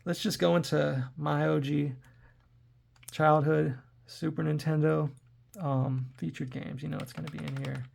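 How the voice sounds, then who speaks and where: A man in his forties talks his way through a handheld game session, addressing viewers in loose, rambling asides. His voice is worn and hoarse, deeply gravelly and raspy, and sits a touch higher than most men's. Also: little pitch movement, unhurried, a little mellow. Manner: rambling, chatty, talks to viewers while playing. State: hoarse from throat trouble. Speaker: tech reviewer playing retro games. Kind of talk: casual gameplay commentary.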